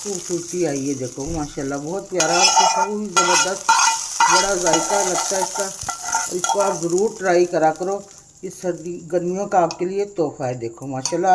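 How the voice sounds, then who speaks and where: A woman's voice: lowish voice, heavy background noise. A older Pakistani Urdu-speaking woman with a sore, strained throat, hosting a home cooking tutorial in a motherly way that keeps saying "okay" to her viewers. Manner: motherly, calls viewers "beta", repeats "theek hai". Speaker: cooking channel host. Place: home kitchen at the stove.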